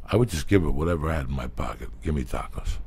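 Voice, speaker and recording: A middle-aged man with a very low, gravelly voice and a husky edge, spinning profane, animated stories as a podcast host. He talks into a studio mic in a small studio. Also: quick pace. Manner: profane, animated storyteller who acts out quotes. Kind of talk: casual storytelling chat. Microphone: studio mic with headphones.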